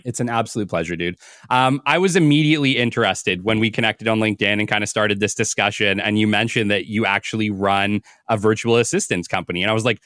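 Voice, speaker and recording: A man's voice: fairly low pitch, fast, fairly bright tone, no room sound, studio quality. A man hosting a business podcast, reading a polished guest introduction and then chatting in an upbeat, enthusiastic way. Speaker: podcast host. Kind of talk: scripted intro reading, then casual interview chat.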